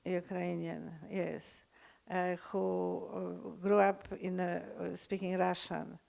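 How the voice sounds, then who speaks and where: An older woman with a Polish accent, lecturing unscripted, halting often with fillers and restarts. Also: lowish voice, level tone, gravelly, a little mellow. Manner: hesitant, many fillers and restarts.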